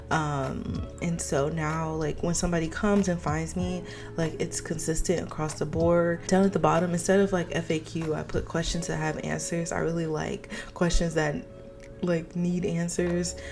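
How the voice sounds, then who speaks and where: Audible room echo and noticeable background noise around a woman speaking at a moderate pace. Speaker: graphic designer and business owner vlogger. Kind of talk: casual vlog narration, screen walkthrough. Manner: casual, filler-heavy.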